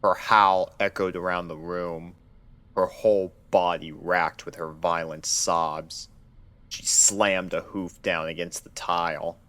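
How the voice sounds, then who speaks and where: A man narrating a dark fan fiction story in a measured, restrained storytelling manner. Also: low voice, flat delivery.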